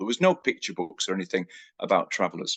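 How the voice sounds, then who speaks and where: A man with a northern English accent, fairly quick pace and very wide pitch swings, in a dry, close sound with no echo and a quiet background. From County Durham, northeast England. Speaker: storyteller and children's author. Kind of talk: webinar talk.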